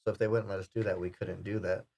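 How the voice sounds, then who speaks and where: Dude hosting a podcast, lowish voice, rambles n repeats stuff. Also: male voice, flat delivery, quick pace, vocal fry, a little mellow. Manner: rambling storyteller, repeats himself. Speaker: podcast co-host. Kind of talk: casual podcast chat.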